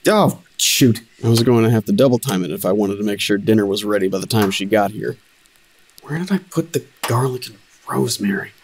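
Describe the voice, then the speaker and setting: A man's voice: on the low side, fairly quick, a little hiss or hum, lightly acted. An actor playing an anxious, scheming young man in a casual audio drama style.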